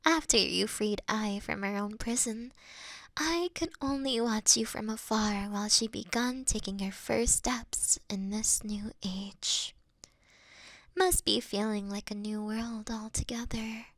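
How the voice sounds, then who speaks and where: A woman voicing a mischievous, doting fox woman in intimate roleplay ASMR, with a soft, breathy half-whisper and a coy, teasing delivery. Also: medium pitch, fairly even intonation, unhurried, no echo. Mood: tender, wistful.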